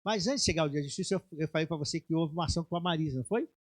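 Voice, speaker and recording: A middle-aged man preaching a sermon with personal testimony, moving from quiet storytelling to loud, shouted exhortation. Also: on the high side, rapid-fire. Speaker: pastor. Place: church sanctuary.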